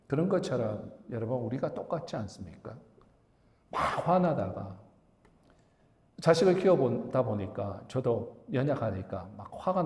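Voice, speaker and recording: Animated pastor in an echoey hall. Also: male voice, medium pitch. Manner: animated preaching, acting out Bible figures' complaints; addresses congregation directly. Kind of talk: sermon. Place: church sanctuary. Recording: echoey church hall with long reverb.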